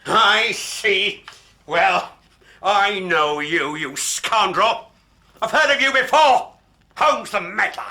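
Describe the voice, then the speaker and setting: A man's voice: sits high, expressive, slow, sharp tone, exaggerated voice. An actor playing a huge, menacing older stepfather who bellows in a rage-choked voice. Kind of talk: radio drama acting.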